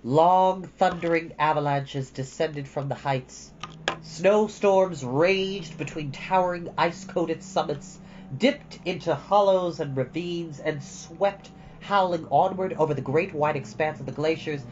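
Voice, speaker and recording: A slightly slow, medium-pitched host chats loosely during a storytime livestream, reading a novel aloud from a storybook between rambling digressions. Ambient music sits under the dull lo-fi sound.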